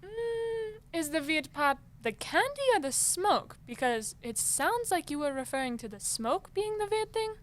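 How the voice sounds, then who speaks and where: A high-pitched, anxious little girl acted by a woman in a fairy-tale radio play. She questions everything in a chatty, modern way. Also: sing-song, a little slow, few pauses, heavily acted. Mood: puzzled. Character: Gretel, anxious, questioning young girl lost in woods. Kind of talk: live student radio play acting.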